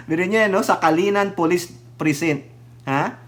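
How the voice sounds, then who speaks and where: There's slight background noise behind his high voice as a man reacts to news in a casual political vlog. He talks right to his audience, laughing frequently in a sarcastic, mocking tone.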